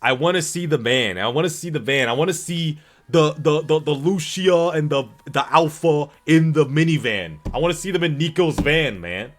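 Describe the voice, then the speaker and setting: A man with a slightly high, expressive voice hosts a casual gaming livestream at normal speed, reading and answering chat. His delivery rambles and is slangy, profane, and emphatic. Background music plays behind him.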